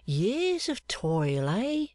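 A reader putting on a peculiar, sharp-eyed man who leans in and murmurs his questions in a low, teasing tone. His voice sits well above the reader's own, with a lively, swooping lilt, in a dry, close recording. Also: very slow, no room sound, heavily acted. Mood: playful fortune-telling. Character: odd, snorting, sharp-eyed male clerk. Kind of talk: audiobook character voice.

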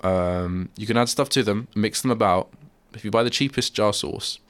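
Deep-voiced man with a stuffy cold. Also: moderate pace, a bit bright, dry recording. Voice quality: bunged-up, nasal. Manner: rambling, chatty, self-deprecating. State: congested with a head cold. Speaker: radio host. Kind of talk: casual solo radio chat. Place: small radio studio. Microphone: studio microphone.

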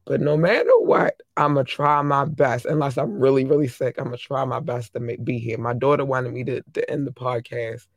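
A hoarse podcast host chatting casually, affectionately shouting out listeners country by country. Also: medium pitch, normal speed, few pauses, dry recording, muffled recording.

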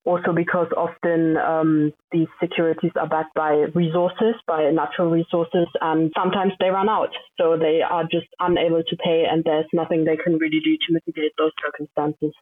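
A woman in her twenties explaining her view as a panelist, with frequent pauses and ums. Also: deep voice, level tone, no room sound. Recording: tinny phone-like call line, dry.

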